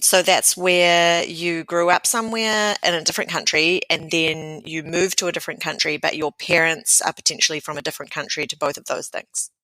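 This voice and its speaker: A woman's voice: low voice, steady tone, fairly quick, hardly any pauses, sharp tone, no room sound, poor audio. A middle-aged woman with a New Zealand accent, a sex therapist speaking frankly and at length as a podcast guest. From born in the Philippines, raised around the world. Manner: frank, thoughtful, explains at length. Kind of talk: podcast interview.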